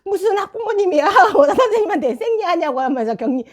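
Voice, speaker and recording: A woman in her forties, a tutor of a small study room, casually telling stories and acting out what parents said to her. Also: fast. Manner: animated, acts out quoted parents in higher voice, laughs often. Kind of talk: casual storytelling vlog.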